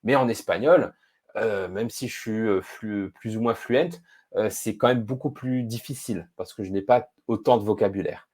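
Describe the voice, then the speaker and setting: Interviewed on a podcast, a male guest lays out his area of expertise thoughtfully and deliberately, hesitating often. He has a lowish, slightly mellow voice.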